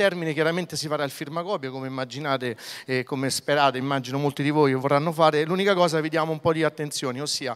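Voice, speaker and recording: A man races along at a very fast pace, and his pitch varies in an ordinary way. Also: quiet background. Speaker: event host. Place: stage. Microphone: handheld.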